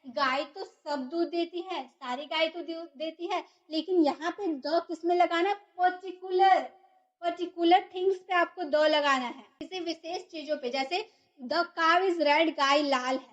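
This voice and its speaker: A woman's voice: very high voice, a little slow, muffled recording. A woman teaching a grammar lesson, who explains step by step and asks and answers her own questions. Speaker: English teacher.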